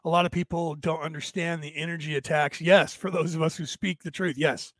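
Raspy, higher-pitched man, voice worn out. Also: steady tone, brisk, fairly bright tone, no echo, studio quality. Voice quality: raspy, damaged-sounding voice from long-standing vocal cord trouble. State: vocal cords tired and worn out from talking. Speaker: host of a spiritual talk livestream. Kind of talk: rambling casual livestream monologue, reading listener comments.

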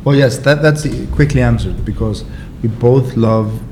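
A middle-aged man whose first language is Icelandic, a guest speaking in a casual interview. He has a relaxed, wry, self-deprecating way of talking. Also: medium pitch, a little slow. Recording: roomy, with clear ambient background noise.

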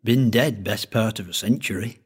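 A man voicing an older male collector with a thick Lancashire accent, speaking in a slow, droning storytelling way. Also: fairly low pitch, husky.

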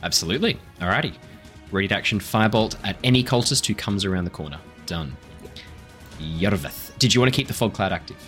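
A man's voice: on the low side, animated, fast talker, a bit bright. A man narrating a tabletop role-playing game as game master, agreeable and affirming towards his players. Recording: music underneath.

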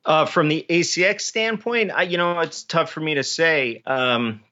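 Male interview guest, low bright voice, hesitant casual talk, slightly muffled lo-fi audio. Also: moderate pace. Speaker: podcast guest, author and post-production engineer. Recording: slightly dull, band-limited audio.

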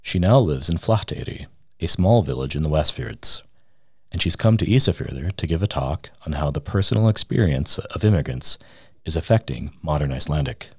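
Low-voiced guy reading a radio feature, dry close mic, calm and measured. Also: slightly rough, dry recording. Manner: measured, reads quotes aloud in the same voice. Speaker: radio reporter. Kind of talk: scripted news feature narration.

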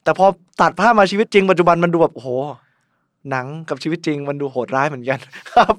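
A young man chatting casually as a podcast co-host, an animated storyteller who laughs often. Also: a little high, fast, no room sound, clean studio sound. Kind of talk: casual chat about a football documentary.

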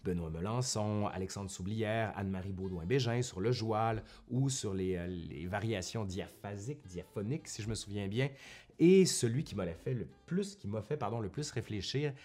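A man's voice: on the low side, animated, normal speed, a little mellow, faint music behind. A man with a Québécois French accent talking casually to his viewers like a professor turned vlogger, chatty and often correcting himself. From Quebec, Canada. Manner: chatty, self-correcting, with colloquial asides. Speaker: history YouTuber and university professor. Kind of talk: casual vlog monologue to viewers. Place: at home in front of a bookshelf.

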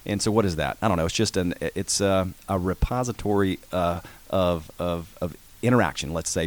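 A middle-aged man from Georgia, a guest in a radio studio, talking in a folksy, rambling way with many self-corrections. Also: deep voice. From Georgia, USA. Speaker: orthodontist guest. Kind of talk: casual radio interview. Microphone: studio mic with headphones.

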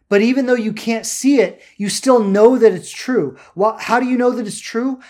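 A spiritual self-help coach speaks off the cuff in a medium-pitched voice. The delivery is emphatic and deliberate, with key words stretched out and little rhetorical check-ins along the way. It is a motivational talk.

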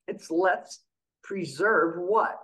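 An older woman, a guest on a radio interview, who grew up speaking Greek at home and tells her stories in a lively way, acting out the exchanges she quotes. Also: on the low side, extremely slow. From USA. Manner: animated storyteller, acts out quoted exchanges. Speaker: guest, county treasurer.

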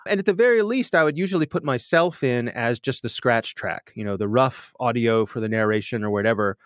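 A man hosting a podcast, chatting with self-deprecating humor and getting animated when he tells stories, with a slightly nasal voice. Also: mid-range voice, brisk, no room sound, studio quality. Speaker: podcast host. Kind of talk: conversational interview answers.

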